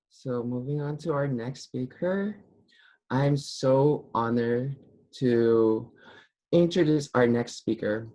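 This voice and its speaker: A man with a medium-pitched voice acts as event host. He gives formal thanks and introductions, reading in a measured, official style. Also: darkish tone, low-quality recording.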